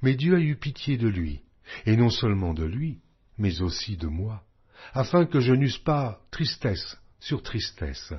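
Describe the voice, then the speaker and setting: A man reading scripture as a scripted audiobook narration, in a solemn, measured and declamatory way. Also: mid-range voice, big pitch swings, slightly rough. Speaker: Bible narrator. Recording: dull, lo-fi audio.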